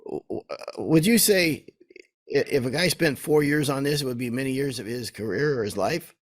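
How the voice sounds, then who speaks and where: A man co-hosting a casual podcast, hoarse from days of talking, rambling and restarting his sentences. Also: mid-range voice, moderate pace. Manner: rambling, self-interrupting. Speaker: co-host.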